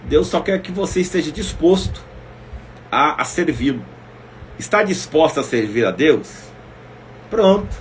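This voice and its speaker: A man preaching a devotional Bible lesson, swinging between loud exclamations and soft asides as he speaks straight to his listeners. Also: a little high, expressive, measured pace, a little hiss or hum. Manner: speaks directly to listeners as "minha irmã".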